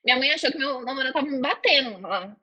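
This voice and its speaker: A woman's voice: high voice, fast, slightly rough, muffled recording. A woman, a podcast guest telling stories casually and animatedly. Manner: animated, acts out quotes with gasps and laughs. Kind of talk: casual storytelling.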